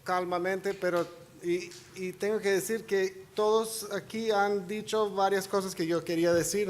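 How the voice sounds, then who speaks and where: A man's voice: sits high, slight background noise. A man giving an academic seminar talk in Spanish, which is not his first language, with many restarts and fillers. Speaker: seminar speaker. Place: conference hall.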